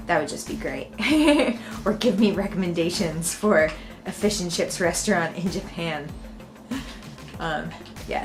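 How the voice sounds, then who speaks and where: An American woman vlogging, talking casually to the camera at home and laughing often. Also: lowish voice.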